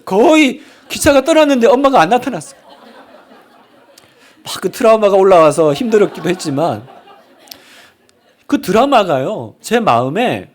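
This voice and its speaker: A middle-aged male pastor delivers a Sunday sermon in a church sanctuary. His voice sits high and swings widely in pitch as he preaches. He asks the congregation questions and acts out the lines he quotes.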